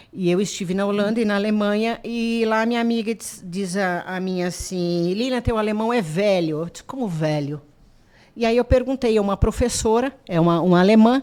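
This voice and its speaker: A woman, president of an artisan association, telling animated stories in a radio interview and acting out quoted dialogue. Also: mid-range voice. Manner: animated storyteller who acts out quoted dialogue.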